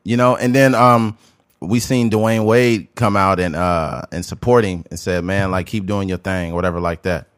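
A man's voice: low voice, fairly even intonation, moderate pace, clear, resonant tone, no room sound, studio quality. A man co-hosting a podcast in casual chat, talking loosely and rambling with lots of filler words. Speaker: podcast co-host.

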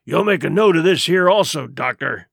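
A crafty old sea-dog pirate, as a male narrator puts him on, talking in rough sailor's slang with a wheedling edge. His voice swings widely up and down and sits a bit high, and the recording is dry and close. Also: expressive, normal speed, fairly bright tone, dry recording, heavily acted. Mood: pleading.

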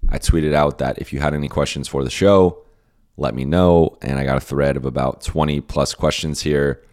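A hoarse, worn-out man hosting a solo podcast, answering listener questions in a rambling, casual way with many restarts. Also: very deep voice, steady tone, moderate pace, a little mellow. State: hoarse, lost his voice and tired. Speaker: podcast host and basketball beat writer.

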